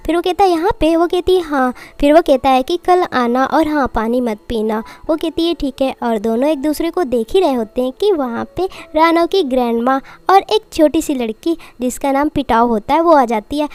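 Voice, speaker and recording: A woman's voice: high-pitched, a little mellow. A woman narrating a film recap, retelling the characters' dialogue in reported speech. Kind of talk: casual storytelling recap.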